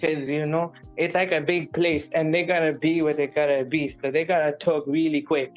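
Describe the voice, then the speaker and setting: Soft-spoken london guy, multicultural east london accent, voice sits a bit high, keeps saying though, faint music under it. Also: flat delivery, normal speed, dull audio. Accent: multicultural London English. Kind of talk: casual group chat on a stream.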